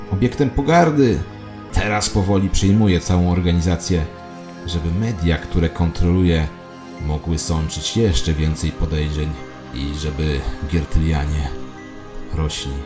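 Low guy doing a cryptic hologram shop clerk, ominous and sure of himself, audio drama with faint music. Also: a little slow. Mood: warning. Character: knowing hologram phone clerk revealing secret cosmic conspiracy, male. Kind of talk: satirical audio drama monologue.

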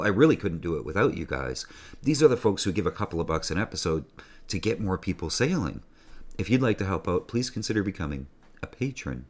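A man in his forties hosting a sailing channel, talking casually and enthusiastically to a desk camera in a small room. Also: sits low. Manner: enthusiastic, joking, conversational. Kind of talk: casual video presentation.

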